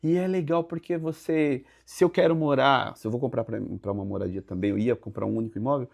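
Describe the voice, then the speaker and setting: A Brazilian man hosts a casual podcast interview, speaking Brazilian Portuguese-accented with a medium-pitched, quick, creaky and slightly mellow voice. He reacts with exclamations and poses hypothetical questions.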